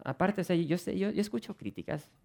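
A man delivers a sermon to his congregation, earnest and animated. His voice sits a little high for a man, and he often repeats words and restarts phrases. He keeps asking rhetorical questions and calls his listeners brothers and sisters. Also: brisk, vocal fry. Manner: earnest and animated, with frequent word repetitions and restarts. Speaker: preacher.

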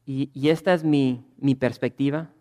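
A man preaching a sermon, rising to loud emphatic swells and dropping to quiet passages. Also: medium pitch, steady tone, moderate pace. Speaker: pastor.

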